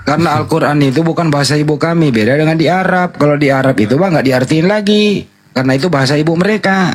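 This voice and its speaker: A man's voice: a little high, fast talker. A man arguing bluntly and with exasperation in a heated debate. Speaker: debate participant.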